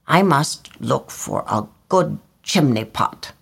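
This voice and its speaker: A woman's voice: rumbling low, expressive, takes it slowly, vocal fry, husky, full character voice. A woman voicing a vain, fussy little male swallow in a storybook reading, talking in a chirpy, self-important way. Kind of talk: storybook character voice.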